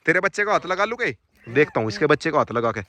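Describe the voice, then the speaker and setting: A man, talking casually to his viewers while he walks his dog farm and shouts to his dogs. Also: on the high side, big pitch swings, fast talker. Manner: calls out loudly to his dogs. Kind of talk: casual vlog commentary.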